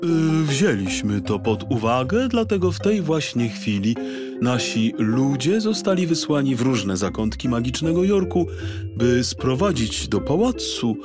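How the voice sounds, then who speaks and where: A man voicing a commanding, courteous female president in a children's audiobook, formal and measured. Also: mid-range voice, sing-song, over music, pitched above the performer's own voice. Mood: official.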